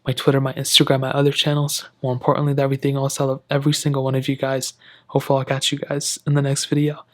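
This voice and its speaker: A man presents a casual how-to tutorial at a very brisk clip. His pitch stays flat and steady throughout, and his phrasing is informal and wordy, aimed directly at the viewer. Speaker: tech tutorial host. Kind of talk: casual step-by-step tutorial narration.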